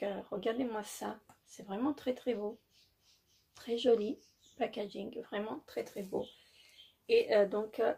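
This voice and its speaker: Woman beauty vlogger, unhurried delivery, slightly husky tone, halting casual haul talk. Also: medium pitch, a little mellow. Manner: hesitant, many fillers, repeats "très joli"; apologizes for her English.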